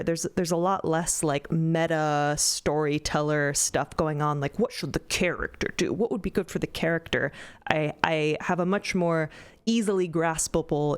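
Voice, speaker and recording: A woman's voice: low voice, clean tone. A woman talking about the characters she plays on a podcast roundtable, earnest and candid, with some hesitant restarts. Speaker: podcast co-creator and voice actor. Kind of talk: casual roundtable chat.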